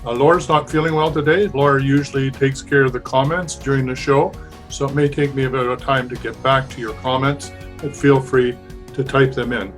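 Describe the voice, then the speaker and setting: A man hosting a live call-in show, speaking calmly and with conviction. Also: mid-range voice, brisk, soft background music. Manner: calm, talks about curses and spiritual healing with conviction. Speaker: host.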